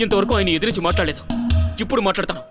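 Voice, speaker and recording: A man's voice: high-pitched, very fast, close to an everyday voice. An actor playing an earnest young graduate son who stands up to his father, over film music. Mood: pleading. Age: young adult. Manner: pleading then defiant, earnest. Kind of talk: dubbed film drama dialogue. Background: film score.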